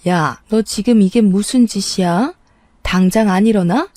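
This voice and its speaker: A woman voicing a furious, clingy sister-in-law who screams insults in a warm, dry voice. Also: mid-range voice, unhurried, dry recording, natural voice.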